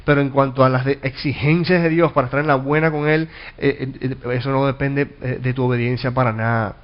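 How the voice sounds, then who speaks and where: A man's voice: medium pitch, fairly even intonation, a little fast, dull audio. A man preaching a sermon as a pastor, teaching earnestly, restarting and repeating words, and asking rhetorical questions that he answers himself. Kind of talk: sermon Bible study.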